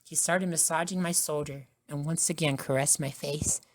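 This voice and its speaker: Woman, fairly low voice, soft-spoken, scripted ASMR story narration. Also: steady tone, normal speed. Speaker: narrator and voice actor.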